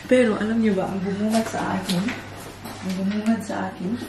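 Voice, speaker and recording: A chatty woman talks to viewers in a casual family vlog, pitched in a middling range. She keeps laughing and calling everyone "guys". The vlog camera picks up clear background noise. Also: fairly even intonation, normal speed. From Philippines. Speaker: family vlogger. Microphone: handheld vlogging camera or phone.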